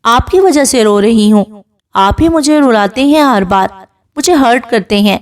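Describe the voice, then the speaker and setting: A woman's voice: on the high side, expressive, lightly acted. A woman voicing a tearful, sulky young bride who pleads and pouts. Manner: pouting, teary pleading.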